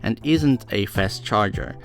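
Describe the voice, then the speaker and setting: A man's voice: on the low side, unhurried. A man presenting a product review as scripted narration. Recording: music behind the voice. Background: background music.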